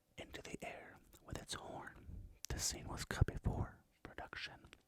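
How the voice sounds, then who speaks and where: A man is whispering at a fairly slow pace. His loudness swings widely. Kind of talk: ASMR fun-facts narration about a film. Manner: whispered, soft-spoken.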